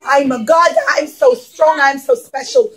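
A woman's voice: sits high, measured pace. A woman voicing a boastful king in a children's puppet show, declaiming emphatically. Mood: grand, proud.

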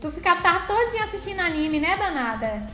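A woman's voice: extremely high pitch, sing-song, a little fast, sharp tone, reverberant, faint music behind. A woman hosting a casual live stream while playing a game, chatty and thanking viewers by name.

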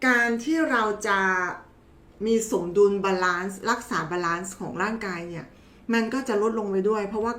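A woman doctor explains health matters in a loose, chatty way and addresses her viewers familiarly. Her voice sits in a middle register. The recording carries a roomy echo. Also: medium pitch. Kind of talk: casual health explainer talk.

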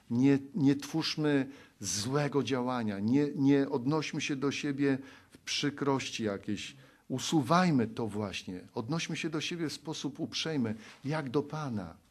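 Polish preacher pleading in a sermon. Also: male voice. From Poland. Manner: pleading, exhorting, with a wide swing between loud appeals and hushed low passages; reads scripture aloud.

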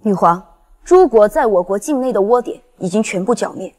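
A woman's voice: mid-range voice, lively intonation, fairly quick, darkish tone, close to an everyday voice. An actress playing a resolute middle-aged female war commander in a screen drama, formal and solemn in manner. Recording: long hall reverb.

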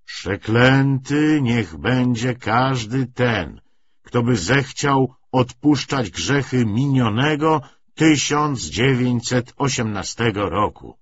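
A man voicing a grey-bearded gentleman who declaims a solemn curse in an audiobook. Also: medium pitch, lively intonation, slow pace, breathy edge, voice pushed up. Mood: angry, solemn. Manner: loud, declamatory. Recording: dull, muffled lo-fi recording.

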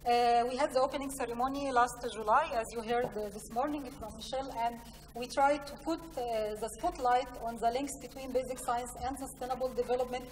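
An Egyptian-accented woman gives a slide presentation at a conference. Her voice sits a little high, and she proceeds haltingly, pausing and repeating words. The sound is reverberant, as from a big hall, with faint noise behind her. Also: fairly even intonation. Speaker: conference speaker, science programme representative. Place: large conference hall, indoors. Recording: echoey hall, distant mic, faint noise.

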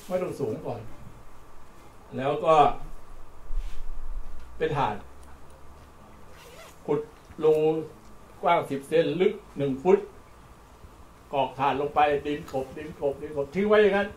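A man's voice: a little high, a little slow, long pauses, a little mellow. An older man giving a plain-spoken workshop lecture, repeating words for emphasis, recorded from a distance at an outdoor training session. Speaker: lecturer on charcoal. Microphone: distant mic. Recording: roomy and distant with faint noise.

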